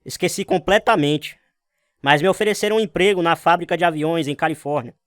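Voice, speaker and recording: A man's voice: a little high, a little fast, smooth, no echo, studio quality, close to an everyday voice. A man playing an earnest young Christian, narrating his testimony sincerely in a radio drama. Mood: earnest, wondering. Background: music.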